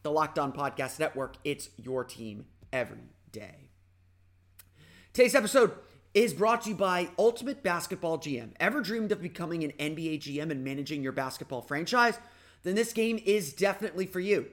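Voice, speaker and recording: A man hosting a casual sports podcast, talking energetically with a slightly raspy voice and frequent restarts. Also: on the high side, brisk. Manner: energetic, rambling with restarts and fillers. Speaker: podcast host.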